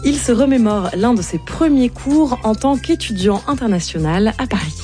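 A woman radio host presenting a culture segment and introducing her guests in a measured way. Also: a little high, animated, dark tone, faint music behind. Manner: clear, measured presenter delivery.

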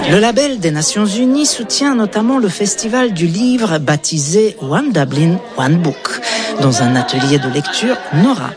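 A woman reporter narrating a scripted radio documentary with an expressive, lively delivery. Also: medium pitch.

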